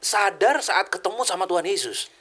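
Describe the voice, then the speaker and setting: Woman podcast host, husky, expressive pitch, steady stream of short affirmations and follow-ups. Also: normal speed. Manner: attentive, frequent short affirmations and follow-up questions. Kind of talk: interview.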